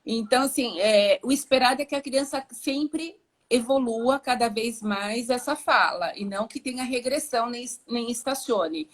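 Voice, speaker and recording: Woman speech therapist, Brazilian accent, patient explainer on a video call, slightly high. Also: moderate pace. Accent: Brazilian Portuguese. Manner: patient, demonstrates words in a singsong child-directed voice. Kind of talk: explanatory talk in a live stream.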